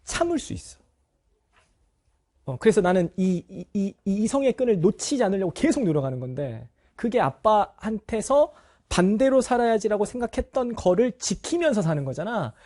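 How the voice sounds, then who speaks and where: A man with a husky, mellow voice that sits fairly high for a man and swoops up and down a lot. He is a middle-aged teacher speaking frankly to his students, turning a family story into a lesson and checking in with them as he goes. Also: sing-song, fairly quick. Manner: candid, personal storytelling, addresses students directly. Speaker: Korean language teacher. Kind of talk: talk to students.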